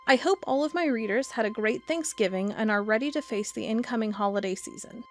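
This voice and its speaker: Actress as earnest female monster-hunting blogger. Measured first-person storytelling, fairly high voice, audio drama. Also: faint music behind, close to an everyday voice. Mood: earnest, reflective. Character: earnest female cryptid blogger, awed amateur monster hunter.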